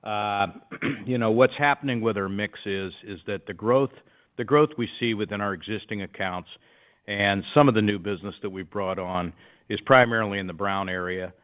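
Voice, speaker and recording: A man speaking as a company executive, answering analysts on an earnings call in a measured, upbeat corporate way. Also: fairly low pitch. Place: conference call. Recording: dull, band-limited conference call audio.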